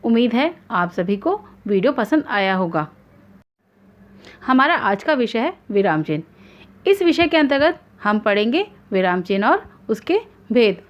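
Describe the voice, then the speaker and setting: A woman hosting an online grammar lesson, explaining in a formal, measured way with examples. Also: fairly high pitch, sing-song, muffled recording. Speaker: Hindi grammar teacher, channel host.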